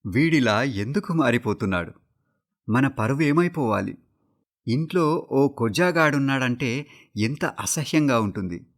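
A man voicing an angry middle-aged father who shouts and then speaks heavily and bitterly, in a radio story. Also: medium pitch, lively intonation, unhurried, long pauses. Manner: bellowing then heavy and bitter.

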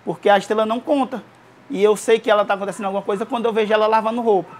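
A man with a very high voice speaks in an interview. He talks at a rapid clip, rambles, and keeps restarting his sentences. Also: fairly even intonation. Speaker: councilor's son. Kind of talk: interview testimony.

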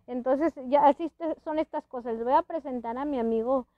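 High-voiced woman hosting a casual live chat. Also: normal speed, dry recording, highs cut off. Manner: rambling, many restarts and fillers, laughs often. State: wearing a dental palate that hampers her speech. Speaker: host. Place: indoors at a friend's house.

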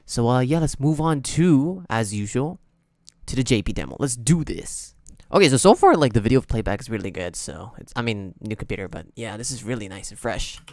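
A man's voice: medium pitch, animated, brisk, dry recording. A young man giving casual, slangy, exclamatory reaction commentary as a video host. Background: loud game trailer music.

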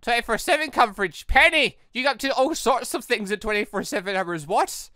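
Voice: mid-range voice, animated, fairly quick, sharp tone, no room sound, studio quality. A gaming host doing let's-play commentary, reading visual novel dialogue aloud with exclamatory, playful asides.

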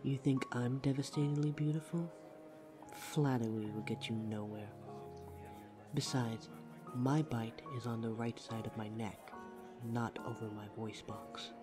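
A man's voice: medium pitch, fairly even intonation, measured pace, natural voice. A man playing a courteous but snide vampire barista in an audio roleplay, polite, dry and teasing. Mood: wry, courteous. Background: music behind the voice.

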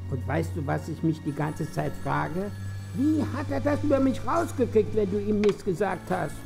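A tense, secretive man in a horror audio drama. He is curt in delivery, and music plays clearly behind his voice. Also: high voice, animated, moderate pace.

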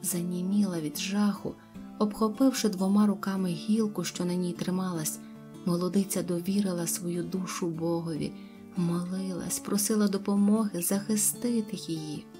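A woman's voice: fairly low pitch, fairly even intonation, normal speed, over music. A woman narrating an audiobook tale expressively, dropping to whispers at tense moments. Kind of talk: storybook narration.

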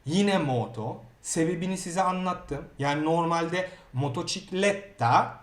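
A Turkish-speaking man teaching grammar in a lively way, often checking in with the learner. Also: fairly high pitch, measured pace, roomy sound. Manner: lively, repeats words and asks "okey?". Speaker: Italian teacher. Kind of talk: grammar lesson.

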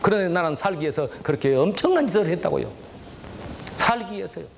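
A man's voice: sits high, expressive, quick pace, vocal fry, a little hiss or hum. An older man, a church elder, telling his testimony to a congregation, acting out the voices of people in his story and speaking straight to his listeners. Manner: dramatic storytelling, acts out quoted voices, addresses audience. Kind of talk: testimony sermon. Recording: dull recording with faint ambience.

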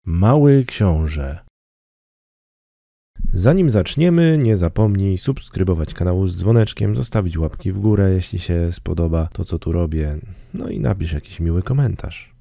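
A man from Poland reading a storybook audiobook in a measured, expressive way, recorded on a close mic at home. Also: low voice, vocal fry, dry recording. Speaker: audiobook reader. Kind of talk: storybook narration.

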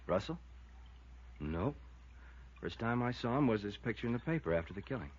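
Husky, guarded American boathouse man. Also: medium pitch, lively intonation, fairly quick. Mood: guarded, casual. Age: late twenties. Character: stocky, guarded boathouse owner in his twenties, outwardly friendly. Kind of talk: 1950s radio drama acting. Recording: dull vintage radio recording.

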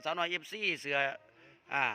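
A man with an Isan accent hosting a village vlog, chatting with a friend and promoting a raffle in a lively, joking way. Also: normal speed. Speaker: vlogger host. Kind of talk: casual chat and live promotion.

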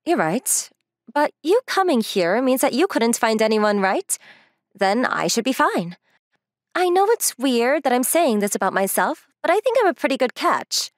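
A woman's voice: a little high, very animated, moderate pace, no echo, studio quality. A woman voicing a proud, blunt young rich woman in a manga dub, self-assured, matter-of-fact and teasing. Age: young adult.

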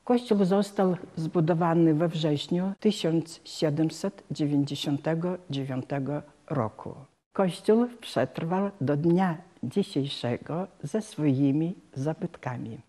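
Low, dark-voiced older woman. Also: slow pace. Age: 60s. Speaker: parishioner, local guide. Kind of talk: prepared account of parish history. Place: inside a wooden church.

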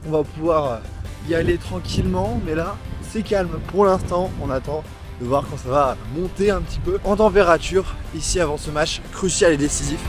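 A man's voice: on the high side, normal speed, over music. A young man in his twenties, talking to a handheld camera as he walks around a football stadium, chatty and enthusiastic as he explains what he sees. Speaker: football vlogger. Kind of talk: casual walk-and-talk vlog narration. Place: outdoors around a football stadium, then in the stands. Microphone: handheld camera at arm's length.

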